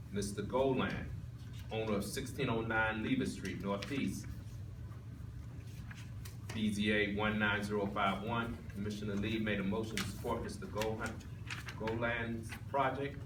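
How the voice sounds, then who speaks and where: A man with a fairly low voice chairs a formal public meeting. He reads minutes and roll call in a procedural manner, stumbling now and then. He is picked up from a distance in an echoey room with noticeable noise.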